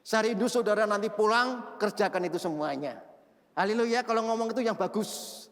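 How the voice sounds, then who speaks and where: A male pastor preaching an animated sermon full of stories, acting out shouted prayers and laughing at himself. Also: high voice, fairly quick. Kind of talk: sermon with storytelling. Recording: long reverb of a large hall.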